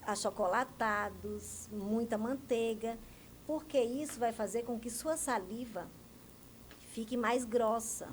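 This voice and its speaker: A Brazilian woman with a somewhat high voice answers interview questions as a speech therapist. She explains things carefully and keeps posing questions she answers herself. A faint noise sits under her voice. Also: slow pace. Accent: Brazilian Portuguese. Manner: didactic, asks and answers her own questions. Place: TV news studio.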